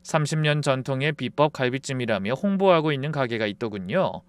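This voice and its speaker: A man's voice: medium pitch, expressive, brisk, clear, resonant tone, no room sound. A man narrating a dramatic first-person story in an earnest, confiding way.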